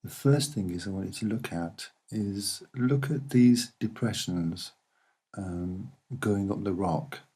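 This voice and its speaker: A soft-spoken man giving a halting, unscripted commentary as he points things out, with frequent pauses. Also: low-pitched, slightly rough. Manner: hesitant, halting, with many pauses. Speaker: amateur video presenter.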